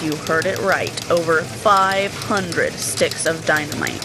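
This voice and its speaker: A woman's voice: mid-range voice, noisy background. A woman acting an earnest news reporter, giving a formal, emphatic breaking-news report in an audio drama.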